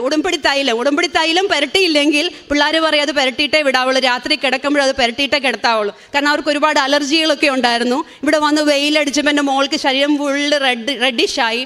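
A woman's voice: sits high, a bit bright. A woman in her forties with a Malayali accent, giving an earnest, emotional religious testimony. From India. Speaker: testimony speaker.

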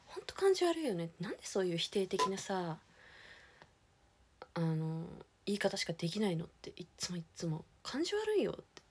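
A young woman, chatting casually as a streamer, ranting with animated indignation and dropping into whispered asides. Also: on the low side, brisk, slight background noise. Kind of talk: casual chat.

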